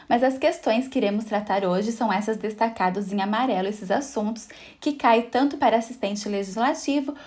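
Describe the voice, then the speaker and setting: A woman's voice: a little high, darkish tone. Upbeat woman teaching exam prep. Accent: Brazilian Portuguese. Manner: friendly, explanatory, checks in with "tá?" and "né?". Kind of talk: recorded video lesson.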